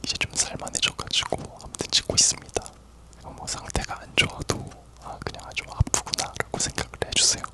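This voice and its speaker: A person whispering a casual, rambling ASMR chat in a soft, unvoiced whisper. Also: brisk. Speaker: ASMR video creator.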